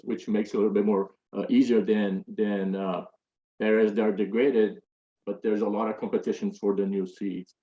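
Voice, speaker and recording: A man with a fairly low voice asks a long question from the floor of a panel, hesitating often and restarting his phrases. The sound is roomy and a little dull, as if picked up from across a hall. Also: warm tone. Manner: hesitant, many fillers and restarts. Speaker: audience member asking a question. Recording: roomy, dull room audio.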